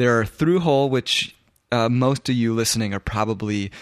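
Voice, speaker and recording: At a moderate pace over a quiet background, a man talks in an unremarkable speaking voice at medium pitch with ordinary pitch variation. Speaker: podcast host. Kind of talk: interview.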